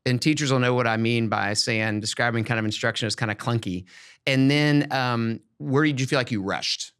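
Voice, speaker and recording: A man's voice: medium pitch, moderate pace, fairly bright tone, clean tone. A man hosting a podcast, chatting casually and giving encouraging, emphatic, folksy advice about teaching. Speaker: podcast host and education expert.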